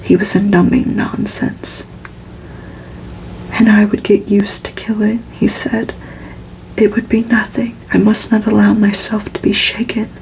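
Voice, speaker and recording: A woman reading a book aloud as ASMR in a hushed, breathy whisper with crackly edges. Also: medium pitch. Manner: slow, hushed, even delivery. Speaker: ASMR reader and host.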